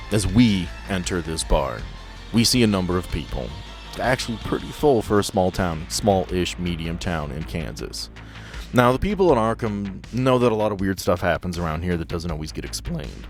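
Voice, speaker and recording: A man acting as game master, improvising narration for a tabletop roleplaying game. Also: low voice.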